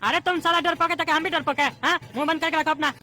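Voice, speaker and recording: A woman voicing a rude, pushy bald politician on a train in a cartoon comedy, speaking in a bossy, crude, shouting manner. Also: high-pitched, steady tone, rapid-fire, faint music behind. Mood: angry.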